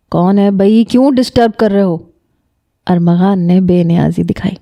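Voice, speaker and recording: A woman with a mellow, warm voice reads a first-person romance novel aloud. Her storytelling is calm and measured. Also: medium pitch. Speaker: narrator.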